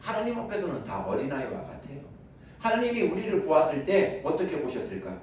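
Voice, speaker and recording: Pastor preaching in an echoey church. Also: male voice, on the high side, huge pitch swings, brisk, darkish tone, a little hiss or hum. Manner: conversational, asks the congregation questions and chuckles. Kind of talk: Sunday sermon. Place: church sanctuary. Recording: very echoey room, voice from a distance.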